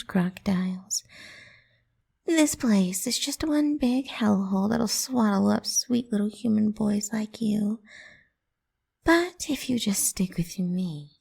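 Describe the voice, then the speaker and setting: A woman's voice: medium pitch, heavily acted. Woman playing a whispery, possessive lamia girl. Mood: coaxing, protective. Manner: coaxing, teasing, soft and breathy. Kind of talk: whispered ASMR roleplay.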